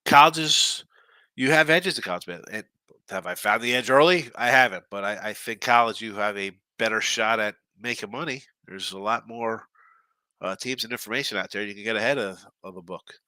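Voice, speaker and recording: A man's voice: on the low side, moderate pace, no room sound, rough recording. A man hosting a sports betting podcast, chatting loosely with viewers and talking through picks, his nose stuffed and congested. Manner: loose, chatty, animated, with frequent fillers. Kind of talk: casual chat reading viewer comments.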